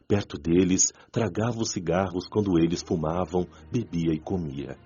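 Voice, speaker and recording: A deep, dark-voiced repentant spirit man in a radio drama, telling his hardships in a slow, earnest way. The audio sounds a little dull, with faint music underneath. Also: breathy edge. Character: former smoker spirit man recalling his suffering.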